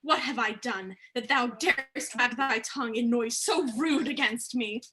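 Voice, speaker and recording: A woman's voice: on the high side, measured pace, bright, forceful tone. A woman playing an indignant, frightened queen and mother in a theatrical reading of Shakespearean verse. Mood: wounded, pleading. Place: remote livestream from home.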